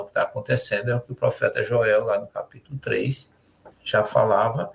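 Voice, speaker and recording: An older man, a spiritist lecturer, explaining terms in a measured way with restarts, heard over a video call from a home study. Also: medium pitch, creaky. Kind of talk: explanatory panel talk.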